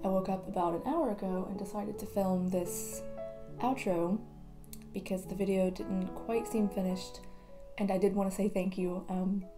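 Vlog host, woman, mid-pitch, groggy morning voice, chatty, music under. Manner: chatty, grateful, a little rambling. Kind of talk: casual talk to camera. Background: soft background music.

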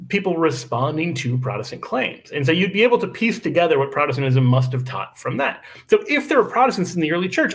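Animated man arguing a point. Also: fairly high pitch. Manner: animated, argumentative, quick asides. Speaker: guest apologist. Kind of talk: casual podcast discussion. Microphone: video call microphone.

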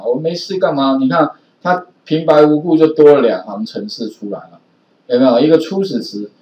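A man's voice: medium pitch, warm tone. A male programming teacher with a Taiwanese Mandarin accent, giving a recorded classroom lecture in a chatty way with many filler particles. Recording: roomy, distant, dull lo-fi classroom audio.

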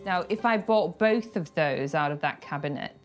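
A woman in her forties, an antiques expert presenting to camera with animated, theatrical storytelling inside a large shop. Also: low voice, moderate pace, soft background music.

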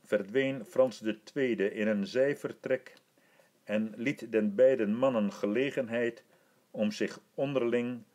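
A man narrating an audiobook of an old short story in calm, unhurried storytelling. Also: medium pitch.

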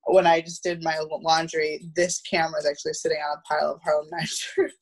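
A woman's voice: low-pitched, little pitch movement, quick pace, rough recording. A woman in her thirties chatting casually as a guest on a video call, stammering on the first syllables of words. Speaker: guest, theatre producer. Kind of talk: casual chat. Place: home room, on a video call. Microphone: video call, wearing headphones.

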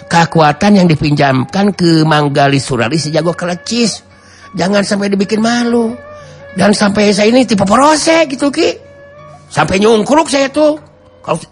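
Man acting a comic boastful fighter, Sundanese accent, raised pitch, wheedling, repetitive, faint music. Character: boastful, whining male martial fighter, comically pleading.

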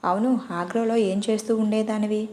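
A woman voicing a stern young man who questions a stranger bluntly and gruffly. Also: medium pitch, fairly even intonation, fairly quick, warm tone, lightly acted. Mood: curt. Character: stern young man, a wary rich host.

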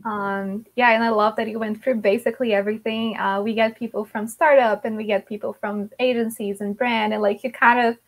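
A woman's voice: fairly high pitch, flat delivery, brisk, few pauses. A woman hosting an online club interview, chatty, with many likes and restarts. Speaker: host of an English learners' club. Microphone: video call.

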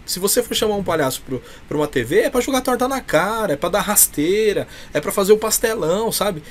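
His high-pitched voice is expressive and brisk as the Brazilian-accented clown chats as an interview guest, talkative and effusive. Slight noise sits in the background of the small indoor room, which has a cloth backdrop.

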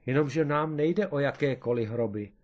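A man's voice: mid-range voice, highs cut off, voice pushed up, lightly acted. Guy doing grumpy gloomy detective, comic storybook, grumbles his lines, voice raised. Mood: grumbling.

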